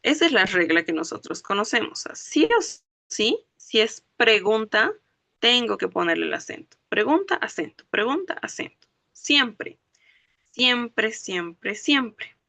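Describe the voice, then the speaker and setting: Slow, bright-voiced woman teacher, gravelly. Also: fairly high pitch, very animated, no echo. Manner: explains slowly, checks understanding with "¿ok?" and "¿no ve?". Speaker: language teacher. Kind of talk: classroom lecture.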